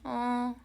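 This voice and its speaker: Giggly young woman, light Jeolla accent. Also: high-pitched. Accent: light Jeolla Korean. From Jeonju, Korea. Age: young adult. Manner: chatty, giggly, drifts into soft whispers. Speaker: idol livestream host. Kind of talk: casual livestream chat with fans.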